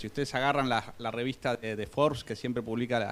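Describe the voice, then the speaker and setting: A man with an Argentine accent at medium pitch and a fairly quick pace. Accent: Argentine Spanish (Rioplatense). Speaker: panelist. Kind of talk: panel discussion. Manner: halting, many fillers.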